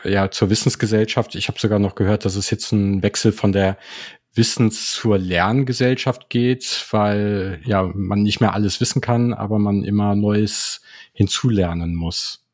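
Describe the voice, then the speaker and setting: A man's voice: lowish voice, fairly even intonation, measured pace, darkish tone. A man hosting a podcast, introducing his guest and asking questions in a friendly, slightly hesitant way. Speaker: podcast host. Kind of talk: interview hosting.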